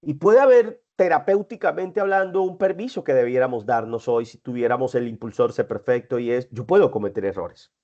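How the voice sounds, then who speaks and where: A man's voice: mid-range voice, a little fast, hardly any pauses, a little mellow. Man lecturing, muffled recording. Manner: explanatory, lists traits one by one, checks in with "right?". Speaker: lecturer at a faculty development talk. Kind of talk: didactic lecture to teachers. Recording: dull lo-fi recording.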